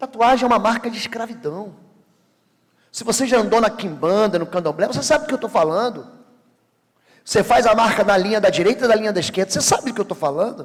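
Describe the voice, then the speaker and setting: Speaking in an animated tone with a Rio de Janeiro accent, a man with a high pitch talks very fast, leaving long, frequent pauses, his pitch varying in an ordinary way. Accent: Rio de Janeiro (carioca). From Rio de Janeiro, Brazil. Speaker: pastor. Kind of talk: sermon.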